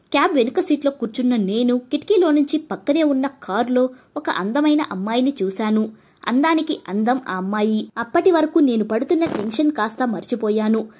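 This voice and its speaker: Woman narrating a Telugu story. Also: fairly high pitch. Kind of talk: audiobook narration.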